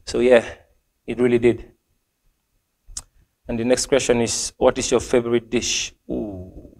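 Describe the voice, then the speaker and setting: Young male footballer, from Gambia, seated Q&A, monotone, halting and full of fillers. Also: medium pitch. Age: young adult. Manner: hesitant, many ums and restarts. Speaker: football player. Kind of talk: reading fan questions and answering. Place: small plain indoor room.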